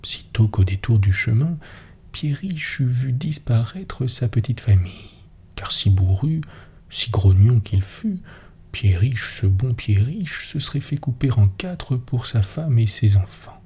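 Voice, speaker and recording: A man in a whispered role-play, softly narrating an old folk tale. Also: mid-range voice, animated, measured pace, slightly rough. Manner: soft whispered storytelling. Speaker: storyteller.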